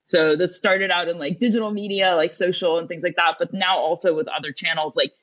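A woman's voice: lowish voice, steady tone, fairly quick, a bit bright. Young woman explaining as an interview guest. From Ukraine. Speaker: interview guest, tech company co-founder and CEO.

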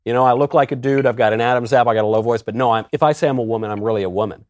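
A man on a studio panel explaining his argument in a measured, lecturing and wry way. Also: medium pitch, dry recording. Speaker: roundtable panelist, author. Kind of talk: casual political discussion.

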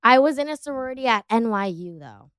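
A woman in her twenties with a raspy, hoarse voice, chatting as a comedian guest with dry, self-mocking humor. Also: on the high side, expressive, fast, a bit bright, no room sound. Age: 20s. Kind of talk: casual podcast chat.

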